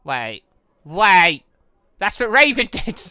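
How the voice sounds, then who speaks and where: A man reading a visual novel aloud and commenting off the cuff, often stumbling and correcting himself as he rambles excitably. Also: high-pitched, slow, clean tone, no room sound, studio quality. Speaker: gaming channel host.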